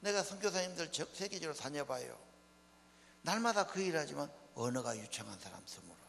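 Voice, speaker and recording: Very animated and a little fast, an elderly Honam pastor preaches in a fairly high, creaky voice with a bit of brightness. He addresses the congregation with rhetorical questions amid plain, folksy talk. Church hall reverb and a mains hum are heard.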